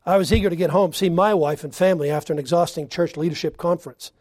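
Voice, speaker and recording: A man delivers a sermon in a slightly raised voice. He presses hard on key lines, then drops to a near hush. The recording is close and dry, with no room sound. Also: on the high side, fast talker, no room sound. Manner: emphatic preaching with swings from loud to hushed. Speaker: preacher.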